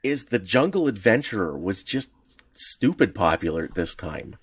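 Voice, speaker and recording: He's a very animated man co-hosting a podcast, speaking at normal speed with a breathy edge. The chat is casual and meandering, full of chuckles and a pitch that leaps about.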